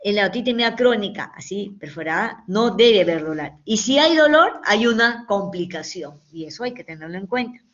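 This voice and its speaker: A woman's voice: medium pitch, brisk, hardly any pauses, a bit bright. A woman giving a medical lecture to students, explaining patiently and often checking in with short questions. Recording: dull lo-fi recording.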